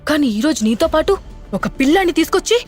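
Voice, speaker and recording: A woman voicing a domineering older father who speaks harshly and shouts in anger. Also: high voice, expressive, quick pace, soft background music, pitched above the performer's own voice. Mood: furious.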